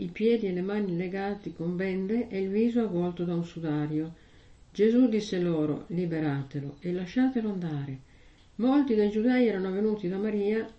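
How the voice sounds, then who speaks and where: A woman preaches to a congregation, first reading scripture in slow, weighty phrases, then talking it through plainly with questions to her listeners. Her voice sits at a middling pitch. She sounds far from the mic in a roomy church, and the recording is muffled and lo-fi. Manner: slow, measured reading with heavy pauses; conversational preaching with rhetorical questions. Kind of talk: gospel reading and sermon. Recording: echoey, distant, dull lo-fi sound.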